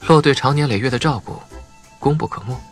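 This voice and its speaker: A man's voice: medium pitch, brisk, soft background music, voice pushed up, natural voice. A man voicing a cool, polished young rich man in an audiobook, sarcastic and mockingly polite. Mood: bitter sarcasm.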